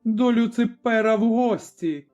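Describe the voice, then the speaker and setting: A man voicing a stern old Cossack father in a told story, speaking firmly and deliberately. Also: very high-pitched, darkish tone, highs cut off, soft background music, voice pushed up. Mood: grim.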